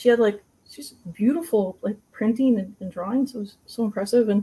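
A woman's fairly high, somewhat breathy voice with a western Canadian accent. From interior British Columbia, Canada (Vernon area reserve). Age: 30s. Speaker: animator. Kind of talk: interview.

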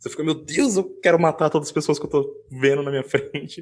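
Somewhat breathy and fairly high in pitch, this man speaks with ordinary pitch variation. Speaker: podcast co-host. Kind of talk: casual chat. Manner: halting.

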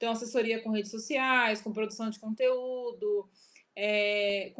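A woman speaks at a moderate pace in a fairly high pitch with ordinary pitch variation. Hers is a normal speaking voice. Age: 30s. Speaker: agency CEO. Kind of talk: interview. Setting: video call.

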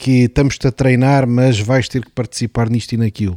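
The recording is very clean, with a silent background and a dry, close sound with no echo, and the man's tone is dark and mellow. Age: 40s. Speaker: podcast host. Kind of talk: interview.

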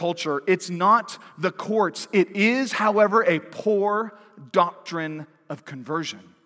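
A very slow man with an American accent, a bright, sharp tone and ordinary pitch variation. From US West (Pac-12 region). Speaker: pastor. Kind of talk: sermon. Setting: church.

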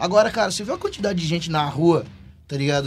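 An animated man's voice over music in the background. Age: 40s. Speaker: heavy metal band musician. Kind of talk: casual radio interview. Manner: animated, slang-heavy.

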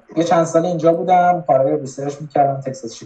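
Music plays in the background as a man speaks. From Iran (Tehran). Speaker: physician. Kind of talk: radio interview.

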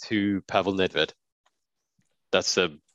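A man with an English accent has a bright, sharp tone. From England. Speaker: podcast co-host. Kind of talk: casual chat.

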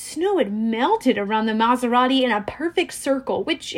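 A natural reading voice, carried by lively intonation.

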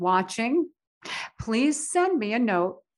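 This woman speaks with an American accent. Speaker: podcast host. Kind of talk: interview conversation. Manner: excited, animated.

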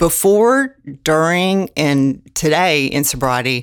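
A woman speaks with a fairly low pitch. Her intonation is lively. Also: very clean recording, silent background. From Texas, Houston. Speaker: comedian, podcast host. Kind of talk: comedic monologue.

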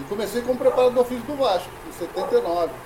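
A man with lively intonation at a fairly slow pace, over noticeable background noise. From Rio de Janeiro, northern suburbs. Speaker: football coach. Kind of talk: casual chat. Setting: video call.

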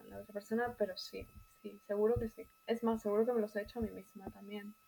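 Woman at a fairly quick pace. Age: 30s. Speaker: podcast co-host. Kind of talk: casual chat.

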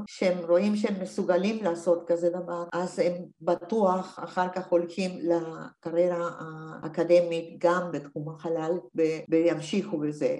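A fairly slow pace in a Spanish accent, with ordinary pitch variation and noticeable background noise. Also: woman. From Argentina. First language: Spanish (speaking Hebrew). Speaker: space scientist and educator. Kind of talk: interview.

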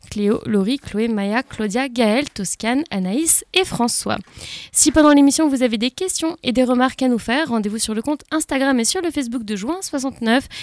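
Pitched high, a woman speaks at a moderate pace with lively intonation in a dry, close sound with no echo. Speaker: radio host. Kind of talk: live radio talk show. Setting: studio.

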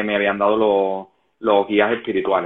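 A man's monotone, flat-intoned voice at a moderate pace. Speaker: numerologist. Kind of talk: interview; guided meditation.

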